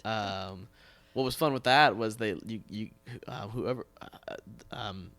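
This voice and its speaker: A man's voice: lowish voice, slow pace, fairly bright tone. An American man hosting a casual interview, telling stories in an emphatic way. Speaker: podcast host, theatre director.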